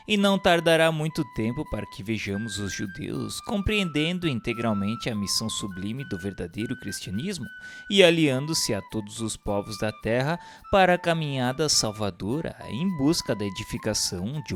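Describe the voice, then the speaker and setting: A man's voice: mid-range voice, huge pitch swings, moderate pace, a bit bright. A man giving a solemn, formal and declamatory scripted narration, like an audiobook. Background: background music.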